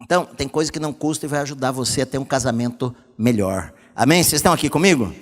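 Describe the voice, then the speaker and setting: A man's voice: medium pitch, fast talker. A Brazilian man preaching a sermon as pastor at a church service, talking conversationally and acting out the voices of people he quotes. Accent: Brazilian Portuguese. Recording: long church hall reverb.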